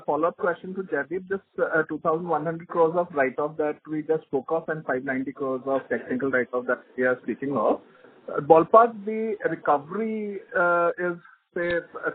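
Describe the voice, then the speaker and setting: A man's voice: a little high, normal speed, slightly rough, dry recording, phone-quality sound. A man, an analyst asking hesitant, filler-heavy questions on an earnings call. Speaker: analyst caller. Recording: telephone conference line.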